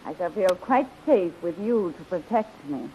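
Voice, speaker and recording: A woman's voice: on the low side, lively intonation, normal speed, husky. An actress playing an imperious, vain queen in a theatrical 1930s radio style. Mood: flirtatious, regal. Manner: haughty, commanding, grandly theatrical. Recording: muffled, hissy 1930s radio recording.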